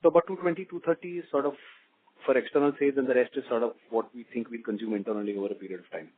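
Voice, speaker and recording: A man speaking as an analyst on a conference call, asking questions in a halting way as he thinks aloud. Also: mid-range voice, fairly even intonation, breathy edge. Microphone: phone conference call. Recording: tinny narrowband phone line.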